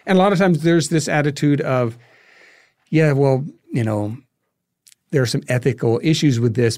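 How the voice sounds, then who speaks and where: A man's voice: medium pitch, darkish tone, no room sound, clean studio sound. An American man talking thoughtfully in an interview, explaining his ideas at length. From United States. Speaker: filmmaker, podcast guest.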